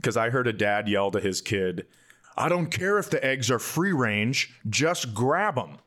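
A man's voice: mid-range voice, very animated, measured pace, a bit bright. A man who hosts a comedy podcast, telling casual, self-mocking stories and giggling through them. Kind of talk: casual comedic banter and storytelling.

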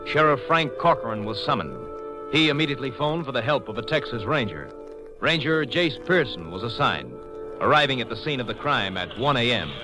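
An actor as a sober narrator delivering formal, measured scripted narration for a 1950s radio crime drama. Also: male voice, medium pitch, animated, close to an everyday voice. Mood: grave. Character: sober male crime-story announcer. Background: dramatic music.

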